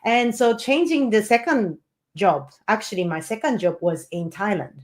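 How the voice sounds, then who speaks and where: Interview guest, woman, native Japanese speaker, relaxed chatty delivery. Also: medium pitch, moderate pace. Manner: chatty, many "you know" fillers, laughs often. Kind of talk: casual interview conversation.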